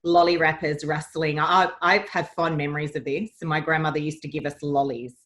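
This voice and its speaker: Brisk and steady in tone, this deep, fairly bright voice belongs to an Australian woman in her forties. She's a podcast guest, chatting casually and upbeat about her younger years.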